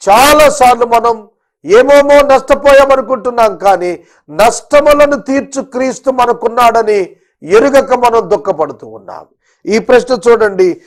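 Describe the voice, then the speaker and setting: A man preaching a sermon, pressing listeners with repeated rhetorical questions and dropping in English phrases. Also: high-pitched.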